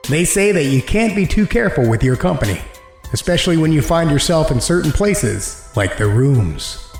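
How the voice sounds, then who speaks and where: A man's voice: medium pitch, darkish tone. Theatrical male horror podcast host, echoey. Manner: theatrical, teasing delivery. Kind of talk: scripted horror anthology introduction. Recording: echoey with faint music.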